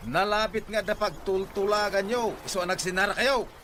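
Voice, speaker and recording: An actor with an Ilocano accent playing a jealous, violent, accusing husband in an audio drama. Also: male voice, high voice, steady tone, moderate pace, lightly acted. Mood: angry, jealous. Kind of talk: Ilocano radio-style drama acting. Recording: clearly noisy ambient background.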